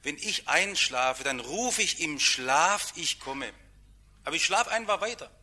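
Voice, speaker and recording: A preacher acts out a sleepy male night porter, excusing himself in a soft, lowered voice. The tone stays bright and a little sharp even when hushed. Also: a little slow, exaggerated voice. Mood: apologetic. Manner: mumbling, apologetic.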